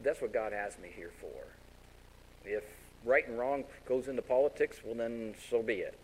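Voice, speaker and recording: A man's voice: mid-range voice, normal speed, slight background noise, low-quality recording. A man preaching a sermon as pastor in a folksy, storytelling way. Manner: folksy, animated storytelling with acted-out voices.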